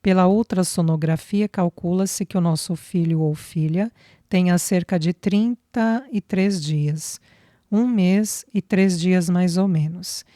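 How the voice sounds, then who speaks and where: A woman voicing a tender young woman who is newly pregnant, speaking softly and sweetly with affection. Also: on the low side, slow pace, no room sound, studio quality. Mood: tender, joyful.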